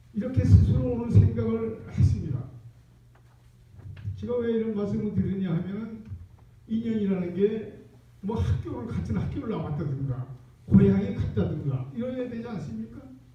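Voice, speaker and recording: A man's fairly high voice at a moderate pace, with very wide pitch swings, big swings in loudness and long, frequent pauses, amid noticeable background noise and audible room echo. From Seoul, South Korea. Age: 80s+. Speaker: eulogist at memorial service. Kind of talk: eulogy. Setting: funeral chapel memorial.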